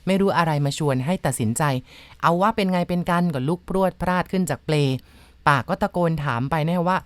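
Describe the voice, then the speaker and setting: Woman host, low-set voice, dramatic ghost-story narration, dry close mic. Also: dry recording. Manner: measured, dramatic storytelling with polite particles.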